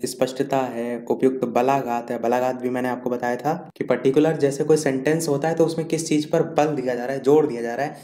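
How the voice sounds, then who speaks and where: A man's voice: medium pitch, dark tone, reverberant. A man giving an online revision lecture for an exam, reading out points as a list and repeating key terms while he scrolls through notes. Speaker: exam-prep teacher. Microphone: screen recording while scrolling notes.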